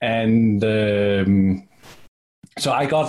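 With a Danish accent, a man talks at a fairly low pitch. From Denmark. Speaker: software consultant and author. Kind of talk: interview. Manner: halting, many repetitions.

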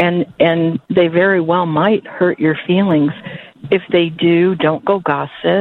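A woman at a fairly low pitch and a very slow pace, with fairly even intonation, very even loudness and noticeable background noise. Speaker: caller. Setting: phone call.

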